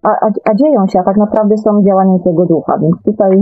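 A woman's voice: mid-range voice, steady tone, quick pace, no room sound, faint music behind. A woman speaking reflectively as a guest in a conversational radio discussion, repeating words and adding tag questions. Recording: thin phone-like line.

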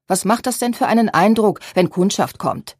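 A woman voicing a strict middle-aged shop owner who is quick to anger, in an audiobook, with a breathy voice. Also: medium pitch, expressive, darkish tone, dry recording, clean studio sound. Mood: stern. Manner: stern, indignant.

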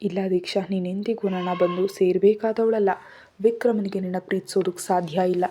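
A woman voicing a harsh, commanding young husband in a storybook narration, speaking curtly and loudly. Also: medium pitch, steady tone, a little fast, a little hiss or hum, close to an everyday voice. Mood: tender. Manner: curt, scolding, loud. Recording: dull lo-fi audio.

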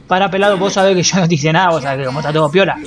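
A man's voice: on the high side, racing. Brash young Rioplatense man streaming. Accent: Rioplatense Spanish. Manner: brash, swearing, joking, half-singing. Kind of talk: casual gameplay roleplay stream.

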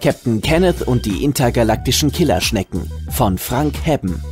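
A man's voice: medium pitch, animated, normal speed, music in the background. A man narrating a comedy audio drama from a script.

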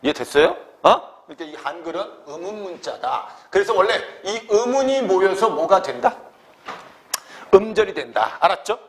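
A middle-aged male teacher with a high, animated voice that swings widely in pitch. He lectures a grammar class, tosses out quick "got it?" checks, poses questions and answers them himself, and slows right down when he dictates definitions. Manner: constantly checks understanding with quick tag questions.

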